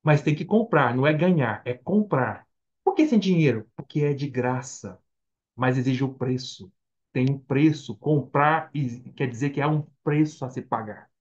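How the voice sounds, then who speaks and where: A man's voice: medium pitch, normal speed, dull audio. A man preaching a Bible study sermon with a Brazilian Portuguese accent. He keeps asking his listeners questions and answering them himself. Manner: animated, asks the congregation questions and answers them. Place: church or online meeting.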